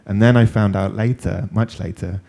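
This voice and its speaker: A man's voice: fairly low pitch, steady tone, normal speed, vocal fry, mellow. A man moderating a panel discussion, asking questions and telling anecdotes in a thoughtful, loosely phrased way. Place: panel event.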